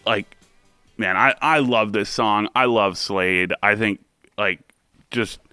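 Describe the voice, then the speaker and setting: A man's voice: on the low side, takes it slowly, pushed and bright, clear, resonant tone, no room sound, clean studio sound. A man hosting a music show, chatting in a laid-back, rambling way with lots of fillers. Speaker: radio show host. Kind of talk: casual chat about songs.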